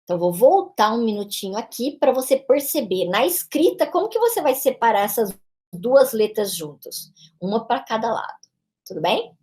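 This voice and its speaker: A woman English teacher from Brazil with a São Paulo interior accent, explaining pronunciation and often checking in with quick tag questions. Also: on the high side, very animated, a little mellow. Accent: São Paulo interior Brazilian Portuguese. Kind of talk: pronunciation lesson narration.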